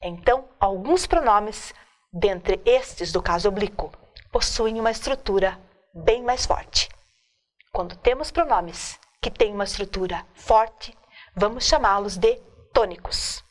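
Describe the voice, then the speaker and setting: A woman teacher giving a recorded grammar lesson, slowly and deliberately listing examples one by one at a board. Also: mid-range voice. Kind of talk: video lecture on grammar.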